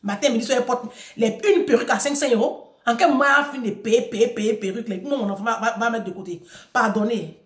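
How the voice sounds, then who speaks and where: A woman's voice: fairly high pitch, fast talker, roomy sound. A middle-aged woman giving impassioned advice to her audience, emphatic and preachy, repeating phrases for force.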